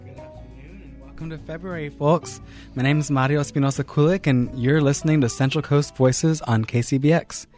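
A man hosting a radio talk program with a measured, formal delivery. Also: a little high, fairly even intonation, a little mellow, faint music behind. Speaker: radio host.

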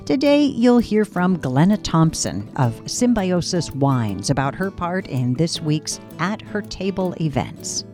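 A woman hosting a radio show, reading the script smoothly and clearly. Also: on the low side, big pitch swings, unhurried, hardly any pauses, mellow. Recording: radio show with music bed.

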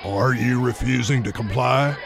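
A man's voice: medium pitch, moderate pace, vocal fry, lightly acted. A man playing a young airport security officer in a comedy sketch, polite, hesitant and patient. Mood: patient, bemused.

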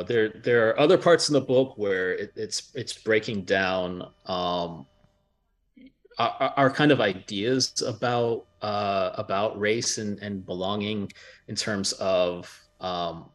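Low-voiced man, halting with frequent laughs. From United States, of Jamaican family. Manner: halting, many fillers, laughs often. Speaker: author. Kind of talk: interview talk and reading from his book.

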